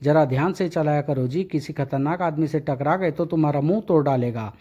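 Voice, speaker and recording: A man's voice: a little high, a little fast, dark tone, lightly acted. A fretful, scolding wife, put on by a man for a comic-book dub. She frets and nags in a slightly raised, darkish voice. The recording is dull and lo-fi. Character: constable's timid, nagging wife.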